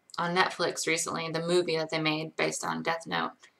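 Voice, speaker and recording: Speaking with an American accent, the voice carries a bright, sharp tone. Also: woman. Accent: mostly Connecticut-like, slight Southern. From US South, Georgia. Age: 30s. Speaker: live streamer. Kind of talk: casual chat. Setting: live stream. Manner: casual, filler-heavy.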